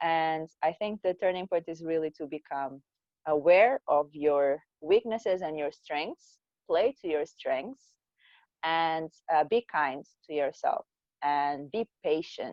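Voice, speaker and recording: A woman speaks very slowly with a non-native accent. Her pitch is fairly low, with ordinary pitch variation. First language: not English. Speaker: entrepreneur and podcaster. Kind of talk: podcast interview. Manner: halting, frequent self-corrections.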